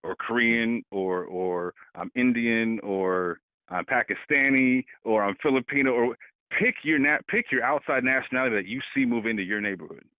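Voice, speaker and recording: A man making his case in an animated way, often stumbling over repeated words as he pushes a point. His voice sits at a middle pitch and sounds dry, with the thin, tinny quality of a phone line. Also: moderate pace, no room sound. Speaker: podcast co-host. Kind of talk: casual political discussion.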